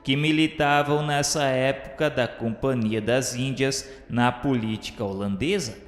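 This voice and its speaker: Brazilian guy narrating a radio drama, mid-pitched formal voice, lots of reverb, music behind. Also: measured pace. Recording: echoey reverberant hall sound, music underneath.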